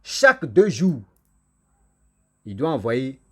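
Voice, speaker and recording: A man, whose first language is a local African language, telling a village legend to his viewers in a lively, repetitive style with frequent asides to them. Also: mid-range voice, takes it slowly, slightly rough. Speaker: storyteller and channel host. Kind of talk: casual oral storytelling to viewers.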